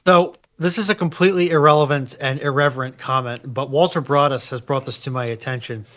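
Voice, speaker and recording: A man's voice: medium pitch, steady tone, brisk, a bit bright. A man on a live panel, casually passing along comments and notices from viewers. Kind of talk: casual live stream chat.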